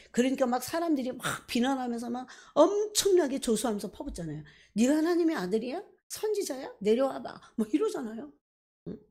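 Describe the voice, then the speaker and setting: A woman pastor preaching a sermon in an animated way, often asking the congregation questions. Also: a little high, breathy edge.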